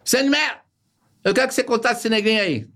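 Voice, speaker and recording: A man voicing a fierce, volatile older woman TV boss who shouts and gives orders. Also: very high-pitched, fast talker, pitched above the performer's own voice. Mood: commanding. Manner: shouting, bossy.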